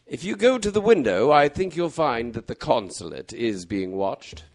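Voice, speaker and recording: Animated, theatrical gentleman detective played by a man. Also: mid-range voice. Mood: calm, grave. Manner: precise, theatrical, deliberate explaining. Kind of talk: old-time radio mystery acting.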